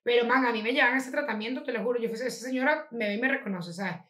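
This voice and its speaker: A woman's voice: on the high side, racing, reverberant. Slangy Venezuelan woman telling stories. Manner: animated storytelling, heavy slang. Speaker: podcast co-host. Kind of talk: casual chat.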